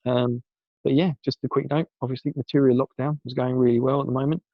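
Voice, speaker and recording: A hoarse man with a sore throat, chatting casually in a rambling, self-correcting way. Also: medium pitch, level tone, fast, no echo. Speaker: podcast guest segment presenter. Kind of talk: casual pre-recorded segment. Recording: dull lo-fi dry recording.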